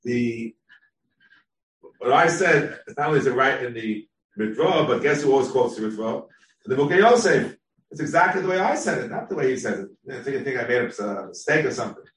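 A man leading a Talmud class, thinking aloud and reading out sources with quick asides. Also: mid-range voice, lively intonation, reverberant, recorded from a distance, poor audio. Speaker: Talmud teacher. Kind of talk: text-based Talmud class.

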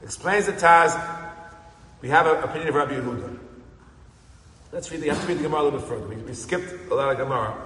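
A man with an American Yeshivish accent, teaching a Talmud class in a lively way and chanting the text he reads. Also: fairly high pitch, fast talker, pauses often, a little hiss or hum. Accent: American Yeshivish English with Hebrew and Aramaic terms. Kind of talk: Talmud lecture. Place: synagogue study hall. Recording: echoey hall recording.

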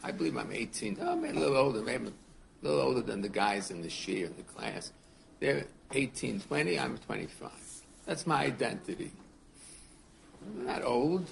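Gravelly-voiced rabbi in his seventies. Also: medium pitch, animated, moderate pace, slight background noise. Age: 70s. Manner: earnest, repeats words, asks the class questions. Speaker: rabbi teaching a class. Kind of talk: casual torah class.

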